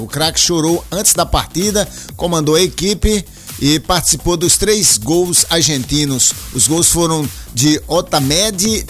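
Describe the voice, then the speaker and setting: A man's voice: on the high side, a bit bright. A male radio host, chatting loosely about football and taking listener calls, tagging his sentences with a questioning lilt. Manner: chatty, lilting, tags lines with "né?". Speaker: radio sports and call-in show host. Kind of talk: casual radio chat and sports commentary.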